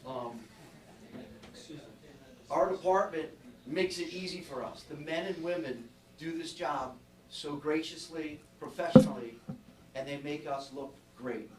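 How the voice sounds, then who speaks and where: A man with a New Jersey accent, a fire department officer giving a grateful thank-you speech, halting with fillers. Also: a little high. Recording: roomy, from far off, crowd behind.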